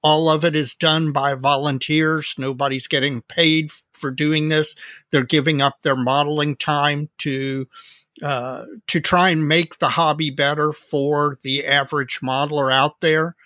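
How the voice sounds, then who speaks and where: A man co-hosting a hobby podcast, earnest and friendly as he rambles along with fillers. His voice is fairly high and strikingly bright. It is recorded close and dry. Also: little pitch movement, a little slow, no room sound. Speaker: podcast co-host. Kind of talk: casual podcast chat.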